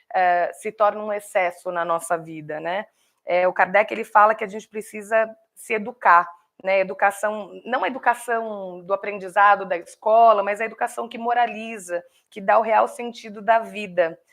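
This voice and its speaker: A woman's medium-pitched voice, fairly even in intonation, at a moderate pace with big swings in loudness, over a quiet background. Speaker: spiritist lecture speaker. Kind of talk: lecture. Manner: halting.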